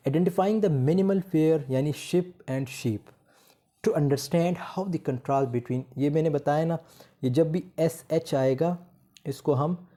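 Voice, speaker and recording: A man teaching English phonetics, mixing Hindi-Urdu talk with slowly read English definitions as he writes on a board. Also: medium pitch, dark tone. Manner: writes on a board while explaining. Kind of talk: lecture explaining phonetics.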